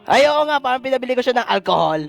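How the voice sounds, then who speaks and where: A man voicing a gruff, short-tempered drunk father in a fan dub parody, blustering and crude. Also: extremely high pitch, expressive, fast talker, full character voice.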